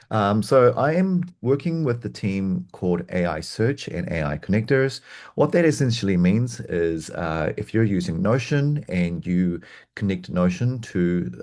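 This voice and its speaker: A man in his thirties with a New Zealand accent, talking casually on a video call panel with many fillers. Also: on the low side. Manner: relaxed, rambling with many fillers. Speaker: panelist, product designer.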